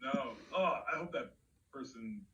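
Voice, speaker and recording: A man's voice: medium pitch, unhurried, a bit bright. A man moderating a panel, enthusiastic and gushing. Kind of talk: panel discussion. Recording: distant, dull sound with faint noise.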